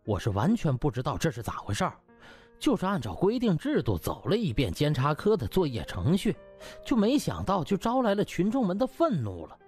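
A man's voice: a little high, brisk, slightly rough, faint music behind, pitched above the performer's own voice, full character voice. Man acting glib, mock-humble young hospital inspector. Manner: hesitant, mock-solemn, flattering. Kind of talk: audiobook character acting.

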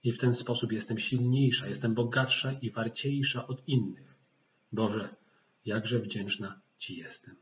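A man's voice: fairly low pitch, normal speed, a bit bright. A man in his thirties from Poland reading a diary aloud over a webcam at home. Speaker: diary reader. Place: indoor room at home. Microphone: computer webcam, video call setup. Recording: roomy, dull, noisy webcam sound.

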